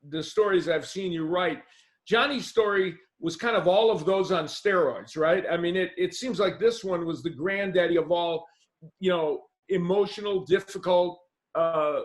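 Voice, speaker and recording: High-voiced male interviewer in a roomy space. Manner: rambling, restarts questions often. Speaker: interviewer and host. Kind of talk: conversational interview. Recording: roomy echo.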